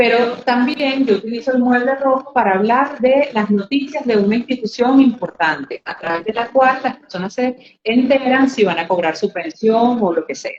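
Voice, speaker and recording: High female voice with a Venezuelan accent, lively intonation, a moderate pace and hardly any pauses. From Venezuela, Carabobo. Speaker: journalist and radio announcer. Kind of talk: interview conversation. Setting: live stream.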